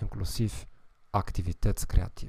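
A dark, mellow tone with lively intonation at a fairly slow pace. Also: man. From Germany. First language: German (speaking Romanian). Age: 40s. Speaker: psychologist and podcast host. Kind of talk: short educational monologue. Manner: scripted, formal.

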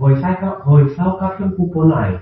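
With lively intonation, a man with a plain, everyday voice speaks at a fairly slow pace. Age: 30s. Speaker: pharmacist and YouTuber. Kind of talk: podcast interview.

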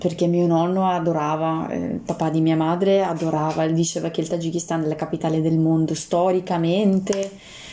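A woman with a fairly low voice and a dark, mellow tone speaks in a monotone, flat way. She holds a moderate pace with hardly any pauses. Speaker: podcast guest sharing her immigration story. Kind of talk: casual chat.

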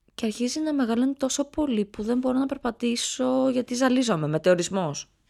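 A woman's high-pitched voice at a moderate pace, in a very clean recording with a silent background. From Greece, Ioannina (Epirus). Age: 30s. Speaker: journalist and author. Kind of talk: personal testimony in interview.

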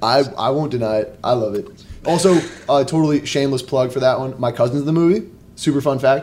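A plain, everyday voice with an American accent. It moves at a fairly quick pace with ordinary pitch variation. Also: man, fairly high pitch for a man. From US Northeast, tri-state area. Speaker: medical resident. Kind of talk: casual chat. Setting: studio.

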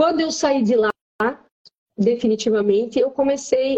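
A woman with a plain, everyday voice talks at a moderate pace in a fairly high pitch, the sound dry and close with no echo. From interior of Santa Catarina, Brazil. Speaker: lawyer and author on public procurement. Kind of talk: live-streamed interview.

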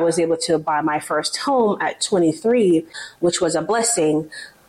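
With a Jamaican accent, a woman speaks. Her intonation is lively. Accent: Jamaican-tinged English. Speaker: podcaster and entrepreneur. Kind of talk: personal testimony monologue. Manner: casual, chatty.

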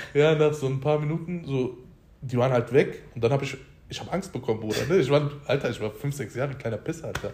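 A man's somewhat breathy, fairly high voice, very fast in pace, with ordinary pitch variation. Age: 30s. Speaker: podcast co-host, pharma wholesale worker. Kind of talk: casual chat.

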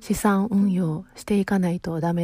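With a Kansai accent, a woman speaks in a dark, mellow tone and fairly even intonation. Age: 40s. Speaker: podcast host. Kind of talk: casual monologue. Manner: laughs often.

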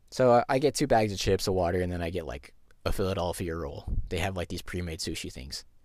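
Very deep, low pitch from a man, very fast pace and lively intonation, on a very clean recording with a silent background. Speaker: podcast host. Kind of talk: personal monologue. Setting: home recording on camera. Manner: halting.

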